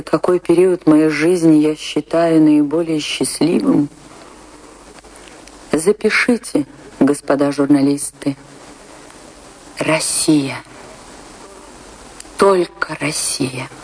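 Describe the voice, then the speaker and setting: A woman's voice: deep voice, a little mellow, heavily acted. An actress playing a passionate, lovelorn woman dancer in a radio drama, speaking with theatrical emotion and wistful grief. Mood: solemn, tender. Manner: dramatic, slow, emotional delivery.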